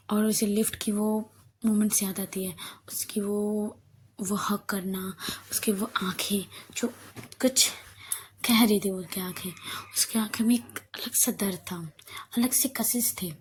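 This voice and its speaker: A woman narrating an audio love story in a conversational manner, going soft and hushed in tender passages. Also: mid-range voice, a little hiss or hum.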